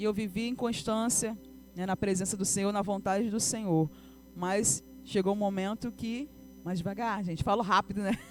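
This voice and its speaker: With music in the background, a woman speaks at medium pitch and a moderate pace, her intonation fairly even. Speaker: preacher. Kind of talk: sermon. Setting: church livestream.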